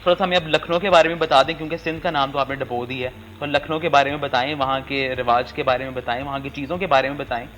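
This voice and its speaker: A man's voice: medium pitch, fairly even intonation, few pauses, fairly bright tone, dull audio, slight background noise. A man co-hosting a comedy talk show, prodding a guest with questions. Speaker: co-host. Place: TV studio.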